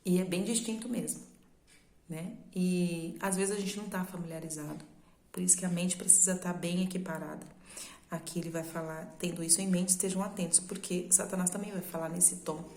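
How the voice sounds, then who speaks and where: A woman's voice: fairly low pitch, fairly even intonation, brisk, dark tone, roomy sound. A woman with a Brazilian Portuguese accent, preaching a sermon in a conversational, explaining way that uses rhetorical questions. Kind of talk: sermon teaching.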